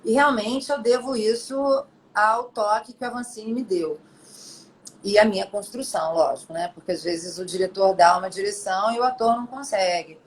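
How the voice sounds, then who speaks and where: A middle-aged actress chatting as an interview guest, telling her stories in an animated, expressive way. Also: medium pitch, moderate pace, a little hiss or hum, low-quality recording. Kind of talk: casual storytelling interview.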